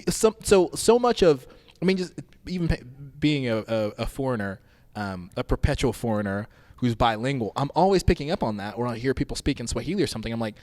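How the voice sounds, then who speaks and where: Man, from Tanzania, casual podcast chat, animated storyteller, very lively pitch, long reverb. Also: brisk. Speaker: podcast co-host.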